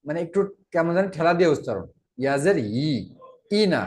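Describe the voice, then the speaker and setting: A man's voice: on the high side, big pitch swings, a little mellow. A man teaching Quran recitation to learners, reciting verses and patiently spelling out letters and vowel sounds one by one. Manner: patient, repeats letters and syllables slowly for learners. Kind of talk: tajweed lesson, reciting and explaining pronunciation.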